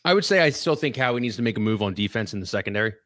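A man with a fairly low voice talks fast on a casual sports podcast and shares strong opinions with animated energy. The recording sounds dry and close to the mic. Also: no echo. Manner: animated, opinionated fan talk.

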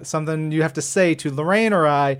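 A man co-hosting a podcast, chatting casually and briskly running through news and event schedules. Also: fairly high pitch, smooth. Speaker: podcast co-host. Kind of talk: casual chat reading show news.

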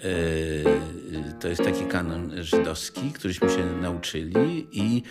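Older male interviewee, lowish register, halting, wandering recollections, loud music behind. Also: animated. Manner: halting, digressive, breaking off mid-thought. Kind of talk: reminiscing in an interview.

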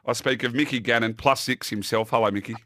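A man's voice: mid-range voice, fairly even intonation, fast talker, sharp tone, no room sound. An Australian-accented man hosts a sports preview show in a mid-range voice with very little room sound. His presenting is casual and full of jokey banter. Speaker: host.

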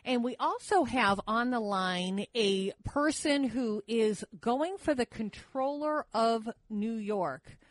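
A woman's voice: on the high side, animated, slow, few pauses. A woman hosting a talk show, interviewing a guest in a chatty, agreeable way. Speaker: host.

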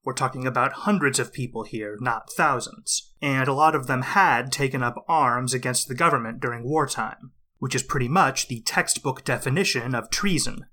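Male podcast host, scripted history narration, bright tone, slightly off from a lingering cold. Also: medium pitch. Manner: measured, explanatory storytelling. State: getting over a cold.

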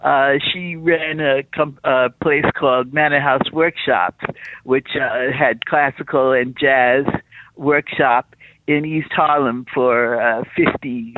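A man's voice: mid-range voice, no room sound. A man and singer calling in to a radio show, speaking earnestly and emphatically. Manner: earnest, emphatic, repeats himself. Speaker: caller, singer. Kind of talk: call-in talk over phone. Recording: dry tinny phone line.

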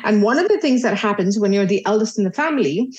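A woman's voice: mid-range voice, animated, fast, muffled recording. A woman psychologist in her thirties from Dubai, chatting casually in an interview with lots of fillers and little acted-out exchanges. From Dubai, UAE. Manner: chatty, many fillers, acts out family dialogue. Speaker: psychologist guest.

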